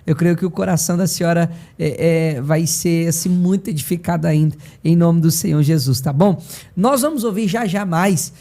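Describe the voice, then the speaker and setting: A man with a Brazilian Portuguese accent hosting a live church broadcast, reading out viewer comments warmly. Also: a little high, moderate pace. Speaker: live show host.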